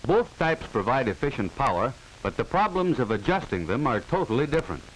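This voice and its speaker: An American man with a medium-pitched voice reads scripted 1940s educational film narration at a brisk pace, formal, instructive and clearly enunciated. The audio is poor, coming from a hissy 1940 film soundtrack with steady hiss throughout.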